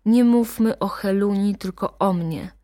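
A woman's voice: mid-range voice, measured pace, mellow, no room sound, natural voice. Woman voicing a young wife, hard and defiant, dry close voice, audiobook scene.

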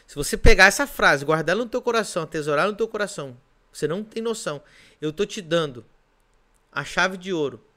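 A man's voice: high-pitched, animated, brisk, pushed and bright. A Brazilian man, a pastor, preaching on a podcast in an emphatic way, repeating his points and firing off rhetorical questions. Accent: Brazilian Portuguese.

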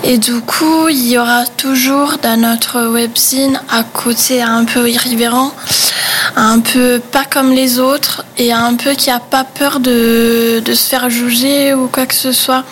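Young woman, non-native French speaker, higher voice, relaxed interview chatter. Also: slow pace, slight background noise. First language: not French. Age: young adult. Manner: hesitant, many fillers, laughs easily. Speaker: webzine co-founder, guest. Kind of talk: casual interview answers.

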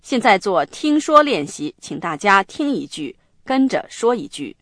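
A woman hosting a radio English lesson, explaining phrases clearly and carefully. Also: medium pitch, sing-song, normal speed, fairly bright tone. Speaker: language lesson host. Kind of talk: explaining English to Chinese learners.

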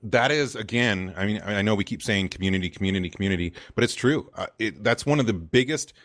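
Deep-voiced man, rambling gaming chat. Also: fast, a bit bright. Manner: rambling, lots of fillers. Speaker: co-host of a gaming community show. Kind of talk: casual chat.

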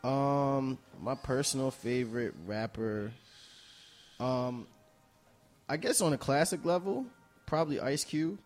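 A man's voice: medium pitch, measured pace, pauses often, a little mellow, faint music behind. A man speaking as a producer on a panel, casual, slangy and conversational. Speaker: music producer, panel guest. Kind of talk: casual chat.

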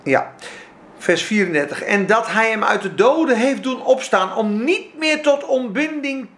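A man preaching a sermon with fervor, his delivery swinging from soft to shouted. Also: extremely high pitch, animated, unhurried, echoey room.

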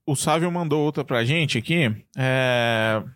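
A man's voice: medium pitch, unhurried, a bit bright, no room sound, studio quality. A man on a podcast, reading listener messages aloud in a casual way. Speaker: podcast co-host reading chat. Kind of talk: casual chat.

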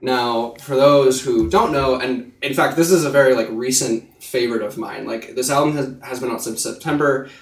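A man co-hosting a casual podcast. He wanders through his thoughts, full of filler words and restarts. His voice sounds roomy and set back from the microphone, at an ordinary middle pitch. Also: moderate pace, few pauses, far from the mic. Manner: rambling, with many "like" fillers and restarts. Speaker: podcast co-host.

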